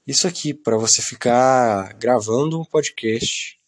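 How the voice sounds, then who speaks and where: A man's voice: mid-range voice, unhurried. A young man, rambling through a solo podcast into a phone in a self-mocking, complaining way that often trails off into mumbles. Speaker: podcast host.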